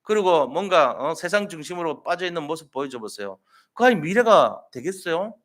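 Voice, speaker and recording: A middle-aged man preaches a Sunday sermon, his voice set a little high and swinging widely up and down. He acts out quoted exchanges as he goes, in an animated pulpit delivery. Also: a little fast. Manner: animated preaching, acting out God's voice in quoted dialogue. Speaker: pastor.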